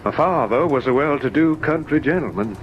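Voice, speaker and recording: An actor playing an irritable, brooding, wealthy invalid gentleman in an old-time radio drama, with measured, formal, theatrical delivery. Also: on the high side, expressive, highs cut off, a little hiss or hum, natural voice. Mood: bitter, resigned.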